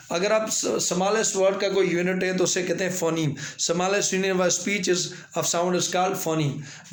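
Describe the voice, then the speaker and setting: High-voiced male tutor, echoey room. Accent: Pakistani. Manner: explains in Hindi-Urdu, reads English definitions slowly and repeats them. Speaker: English lecturership exam tutor. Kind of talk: exam-prep lecture.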